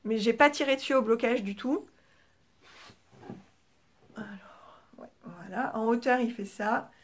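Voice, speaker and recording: A French-accented woman talks through her knitting in a relaxed, chatty way, filling gaps with little fillers. Her voice sits a little high. She speaks toward a camera as a podcast host. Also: a little slow. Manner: chatty, relaxed, with frequent fillers and soft trailing asides. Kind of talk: casual show-and-tell chat. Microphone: camera facing the speaker.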